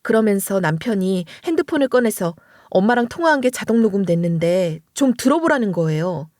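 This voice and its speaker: A woman narrating a first-person story in an expressive, emotional way, close to the microphone. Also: medium pitch, brisk, no echo.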